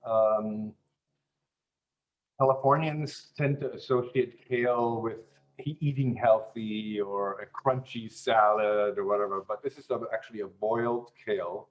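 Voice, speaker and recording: A man who grew up in German-speaking Europe, chatting as an interview guest in an unhurried way, with many fillers and restarts. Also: fairly low pitch, steady tone, highs cut off. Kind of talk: casual interview chat.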